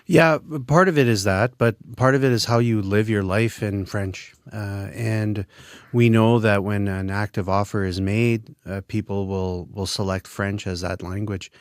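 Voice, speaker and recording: A man in his fifties from Manitoba, a former French immersion teacher, answering radio interview questions in an earnest, halting way with many filler sounds. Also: fairly low pitch, steady tone, clear, resonant tone, no echo, clean studio sound. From Manitoba, Canada.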